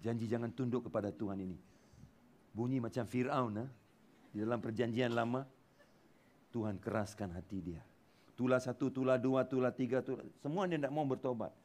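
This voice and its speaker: A man with a Malaysian accent preaching a sermon in church, mixing in English words and swinging between loud bursts and soft asides. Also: medium pitch, normal speed. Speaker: pastor. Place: church hall.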